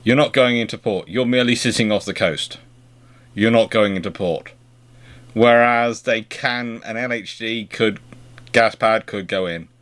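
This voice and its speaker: A man's voice: fairly low pitch, moderate pace, fairly bright tone. British man, rambling live-chat host. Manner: discursive, rephrases and corrects himself mid-sentence. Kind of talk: live question-and-answer chat on naval history.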